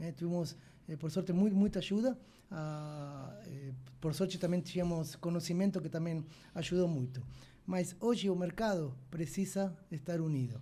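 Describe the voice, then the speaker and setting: With an Argentine accent, the speaker uses a dark, mellow tone at a moderate pace with ordinary pitch variation. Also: man. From Argentina. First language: Spanish (speaking Portuguese). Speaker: craft brewery owner. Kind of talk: casual interview. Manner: halting, many fillers.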